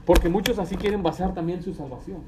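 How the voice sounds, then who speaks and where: A man's voice: sits high, fast, noisy background. A young adult man preaching a conversational sermon as pastor, with anecdotes and acted quotes. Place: church sanctuary. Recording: echoey church room with faint ambience.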